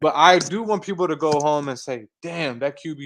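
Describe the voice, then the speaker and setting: An animated man with an American accent speaks at a moderate pace against a quiet background. His voice is fairly high in pitch, with ordinary pitch variation. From Virginia, US. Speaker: motivational speaker and former football player. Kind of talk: interview.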